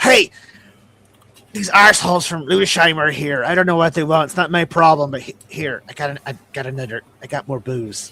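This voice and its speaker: Shouting in a gruff, put-on character voice, a man pitches fairly high and keeps a moderate pace. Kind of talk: crude, casual. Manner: yelling, gruff.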